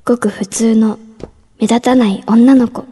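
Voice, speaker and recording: An actress voicing a timid junior-high schoolgirl, narrating her thoughts softly in a radio drama. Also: steady tone, a little slow, husky. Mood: withdrawn. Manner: soft inner-monologue narration, hushed at times.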